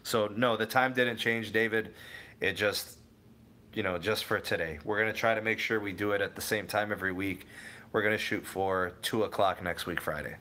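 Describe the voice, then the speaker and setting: Young male livestream host, slightly low, bright tone; relaxed, meandering, talks straight to his chat. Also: normal speed. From Cleveland area, USA. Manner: rambling, self-correcting, answers viewers by name. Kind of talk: casual live chat reading viewer comments.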